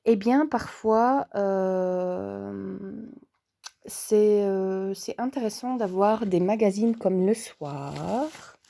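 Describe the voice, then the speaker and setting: Chatty woman with a mellow voice. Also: mid-range voice, drawn-out words, gravelly. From Belgium. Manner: chatty, hesitant, many fillers, drops into whispers. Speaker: vlogger and sophrology coach. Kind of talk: casual chat to camera.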